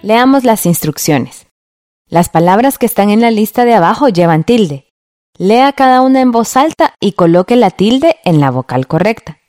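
A woman teaching a radio lesson in a clear, patient way, checking in with the listener. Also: medium pitch, animated, moderate pace, darkish tone, dry recording, clean studio sound, faint music behind. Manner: clear, patient, asks ¿verdad?.

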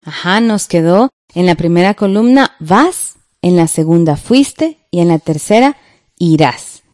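A woman with a Guatemalan Spanish accent explains verb conjugations from a textbook, speaking slowly and carefully. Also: on the low side, animated, darkish tone, no echo, studio quality. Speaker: teacher. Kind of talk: textbook grammar lesson.

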